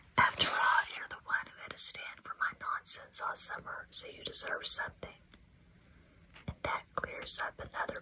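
Soft-spoken and whispering, the speaker keeps a moderate pace. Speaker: reader. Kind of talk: reading a novel aloud. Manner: soft whispered storybook reading. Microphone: phone near.

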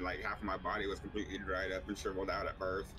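A man speaks against noticeable background noise. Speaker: gamer helping in voice chat. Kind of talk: casual gaming chat with tips. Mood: subdued, personal. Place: home room. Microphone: headset.

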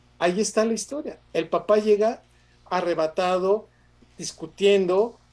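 Speaking at a fairly slow pace, a man has a high pitch with ordinary pitch variation and a dark, mellow tone. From Mexico. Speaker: neuroscientist; guest. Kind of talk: interview, explanatory talk. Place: home room. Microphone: video call.

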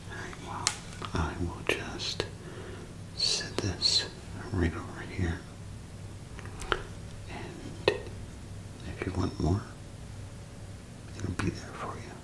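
Whispering in a gentle tone, a man talks at a very slow pace with long, frequent pauses. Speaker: caretaker role-play host. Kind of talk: soft role-play talk to the viewer. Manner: soft, gentle ASMR murmur. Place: home room. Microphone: phone near.

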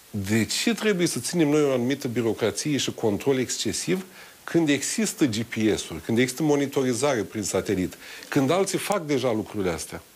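A man's pitch swings very widely as he keeps a moderate speed. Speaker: guest, politician. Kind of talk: interview answer. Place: studio. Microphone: lapel.

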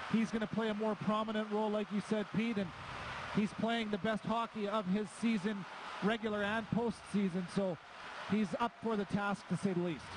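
Over noticeable background noise, a man with a high pitch speaks in an animated tone. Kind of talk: live sports commentary (color analysis). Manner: animated, quick-paced, analytical.

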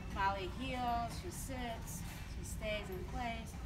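A woman speaks over loud background noise. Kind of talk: testimonial. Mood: pleased, grateful. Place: shop. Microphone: camera far.

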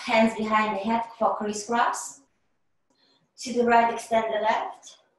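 A woman's fairly high voice in a flat monotone, very slow, broken by long, frequent pauses, with strong room echo. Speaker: fitness instructor. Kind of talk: live fitness class instruction, cueing exercises and counting reps. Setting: gym studio, filmed class with camera. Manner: brisk, rhythmic, clipped cueing with steady counting; encouraging, calm and paced, slowing down for stretches. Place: home room. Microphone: camera far.

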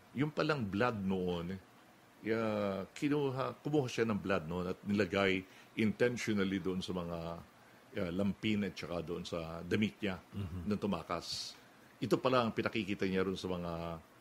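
The pace is fairly slow, with ordinary pitch variation. Long, frequent pauses break up the speech. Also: man. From Philippines. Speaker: radio broadcaster. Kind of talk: interview answer.

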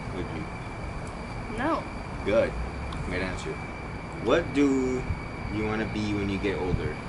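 Amid loud background noise, a man speaks at a very slow pace with ordinary pitch variation. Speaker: couple vlogger. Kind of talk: casual Q&A vlog chat. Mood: playful, relaxed. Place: garden.

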